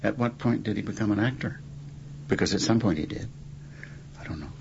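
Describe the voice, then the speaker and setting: A man's voice: lowish voice, fairly quick, vocal fry. A man giving an unscripted interview recollection, reflective and hesitant as he searches for words. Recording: dull, noisy archive interview recording.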